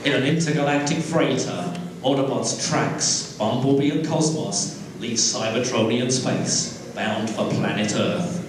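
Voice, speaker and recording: A man's voice: medium pitch, measured pace. A man narrating a scripted drama in a live dramatic reading. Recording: echoey hall from far off, noisy.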